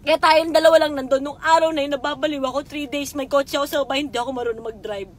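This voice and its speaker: Speaking fast in a high-pitched, steady voice, a young vlogger addresses someone directly in an emotional confessional monologue about something painful, cursing as she goes.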